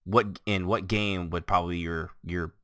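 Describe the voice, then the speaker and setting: A man hosting a casual gaming podcast, rambling and restarting his sentences, quick to laugh. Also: low-pitched, fairly even intonation, pushed and bright, clean tone, no room sound, studio quality. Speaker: podcast host. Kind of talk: casual chat.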